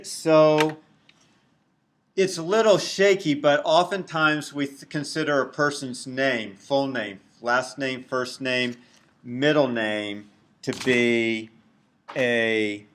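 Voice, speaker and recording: A middle-aged man with a big, loud voice, giving a recorded university lecture while writing on a tablet, slow and deliberate. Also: mid-range voice, steady tone, a little hiss or hum. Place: at a computer, screen recording.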